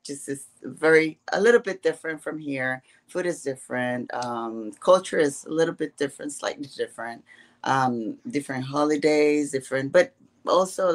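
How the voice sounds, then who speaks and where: A woman from Guatemala with a Spanish accent, answering interview questions over a video call in slow, halting speech full of fillers. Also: a bass voice. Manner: halting, hesitant, many fillers. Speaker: guest.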